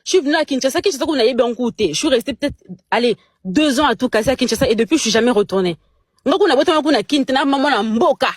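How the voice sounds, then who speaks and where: A woman's voice: high-pitched, expressive, fast talker, no room sound, clean studio sound. A young Congolese woman in a heated casual chat, speaking French with a Congolese accent, emphatic and indignant, stumbling over repeated words. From Democratic Republic of the Congo. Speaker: guest on a live chat.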